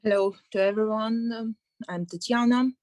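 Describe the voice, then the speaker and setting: A woman with a Ukrainian accent giving personal testimony on a video call, halting as she searches for words. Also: fairly high pitch, steady tone, a little mellow, dry recording. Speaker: participant in a play reading.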